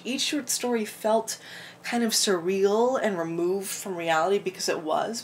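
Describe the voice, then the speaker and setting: A book vlogger with a low-ish voice and a clogged-up throat chats casually at home about books she's read, rambling, laughing and swearing freely. The window in her room is open, and there's a little hiss or hum.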